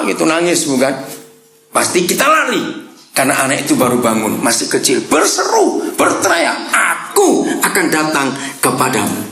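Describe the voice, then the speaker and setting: A male pastor giving a lively sermon, speaking straight to his congregation, asking for their responses and breaking into sudden shouts. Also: mid-range voice. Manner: animated, swings from calm talk to sudden shouts. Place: church hall. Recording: echoey church hall.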